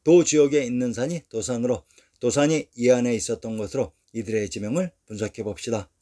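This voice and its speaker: Evenly and at a measured pace, a medium-voiced man narrates a scripted history piece, taking each list item in turn.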